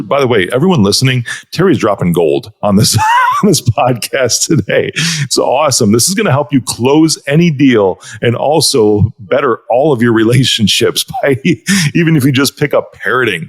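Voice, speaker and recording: A man hosting a podcast interview, enthusiastic and quick to laugh, with lots of "like" and "freaking". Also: on the low side. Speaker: podcast host.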